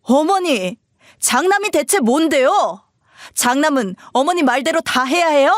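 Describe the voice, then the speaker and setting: A woman's voice: high-pitched, expressive, a little slow, dry recording, studio quality, voice pushed up. Brief: distraught young husband confronting his mother, insistent and pleading, voiced by a woman, storybook drama. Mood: pleading agitated. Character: upset adult son, pleading and agitated.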